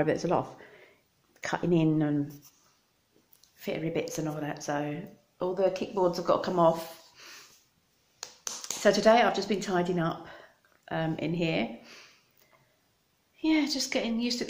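A woman's voice: fairly low pitch, moderate pace, pauses often, roomy sound. A middle-aged woman with an English accent, chatting to her phone camera from a room in her house, rambling between topics with a dry mouth. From Scotland. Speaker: vlogger. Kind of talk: casual chat to camera. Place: small room in a house, indoors. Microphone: phone camera held close.

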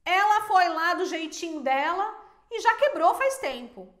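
A Brazilian woman giving emphatic, animated business advice to viewers, with rhetorical questions. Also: very high-pitched, measured pace, echoey room. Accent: Brazilian Portuguese. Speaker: small business owner and teacher.

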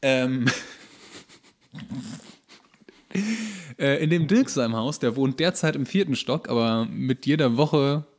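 A man's voice: mid-range voice, takes it slowly, long pauses. Joking, rambling man podcaster. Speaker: podcast co-host. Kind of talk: casual comedic podcast chat.

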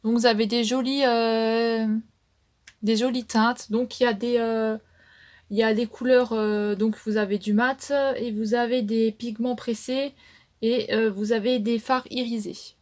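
A woman's voice: on the high side, flat delivery, measured pace, a little mellow. Chatty French woman reviewing makeup. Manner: chatty, many fillers and "donc". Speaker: beauty vlogger.

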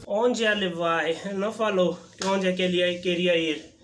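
Man, Indian accent, 30s, very high voice, halting learner Portuguese, excitable reaction host, lapel mic, faint music behind. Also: low-quality recording. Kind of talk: casual reaction video chat. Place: indoor room in front of a wooden backdrop. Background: music playing from the reacted video.

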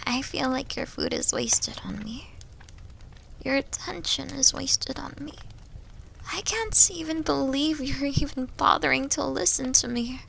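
A woman acts out a young wolf girl for an ASMR audio drama. The voice is very high and bright, moving slowly and hesitantly. She sounds timid, devoted and plaintive, with soft breathy dips. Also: slight background noise, heavily acted, poor audio. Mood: ashamed, self-loathing.

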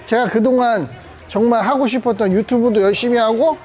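Mostly from inside a car, and now and then outdoors, a car collector in his thirties vlogs casually and confidently for YouTube. His voice is extremely high-pitched and steady, fairly quick, with a darkish tone.

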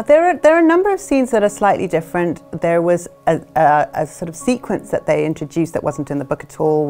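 A middle-aged woman speaks in a low, mellow voice, recorded in a studio. She talks through the film version of her novel in a thoughtful way, restarting phrases often. Soft music sits faintly behind her. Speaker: author discussing her novel's film adaptation. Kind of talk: reflective interview talk. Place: studio with plain backdrop.

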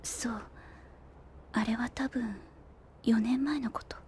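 An actress playing a determined, prickly young engineer and little sister in an audio drama, brisk, stubborn and easily exasperated. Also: female voice, a little high, steady tone, darkish tone, a little hiss or hum. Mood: pensive, hushed. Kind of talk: Japanese audio drama acting.

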